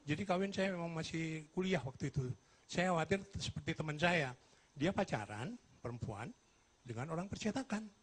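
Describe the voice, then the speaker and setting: A stand-up comedian from Madura, delivering self-mocking jokes with deadpan punchlines. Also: male voice, fairly high pitch, normal speed, husky. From Madura, Indonesia.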